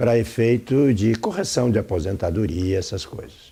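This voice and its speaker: A man talks at a fairly slow pace. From northern Paraná, Brazil. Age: 60s. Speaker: former student activist. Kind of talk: testimony. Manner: halting, many fillers.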